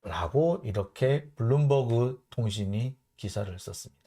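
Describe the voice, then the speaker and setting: A man hosting a political commentary show, reading out foreign news and mocking it in an animated way. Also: mid-range voice, normal speed. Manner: animated, mocking, acts out blunt quotes. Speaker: host of a political commentary channel.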